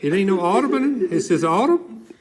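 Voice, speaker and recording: Man doing an excitable, swooping cartoon gator. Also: sits high, fairly quick, crowd noise. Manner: folksy, interjecting, repeats phrases. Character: comic gator puppet, excitable, folksy heckling listener. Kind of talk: comic running commentary.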